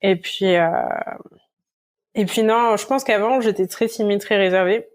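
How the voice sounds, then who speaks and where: A young woman chats as a podcast guest in a loose, easygoing way, filling her pauses with fillers and soft sighs. Her voice sits in a middle pitch. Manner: relaxed, lots of fillers and sighs. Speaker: guest illustrator. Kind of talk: casual interview chat.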